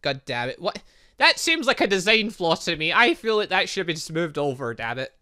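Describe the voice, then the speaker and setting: Very animated and brisk, the man's high voice is bright and forceful as he narrates a let's-play. The gaming streamer rambles through his game, interrupting himself with chuckles.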